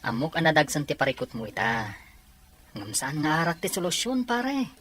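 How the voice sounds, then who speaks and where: An actor playing a sensible, concerned drinking buddy in a radio drama, reasoning and cautioning. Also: male voice, a little high, sing-song, moderate pace, a bit bright, slightly rough, heavily acted.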